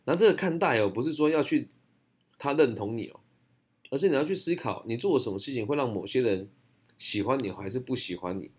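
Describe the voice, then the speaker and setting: In a mid-range, slightly rough voice, the Taiwanese Mandarin-accented young man responds to audience questions during a relaxed monologue, keeping it blunt, chatty, and full of slang.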